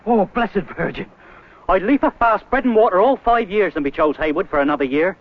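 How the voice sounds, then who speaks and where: Exasperated medieval hayward, very high voice, animated, rustic archaic complaining, dull old film sound. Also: male voice, a little fast. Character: exasperated put-upon medieval English village hayward. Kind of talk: educational film historical acting.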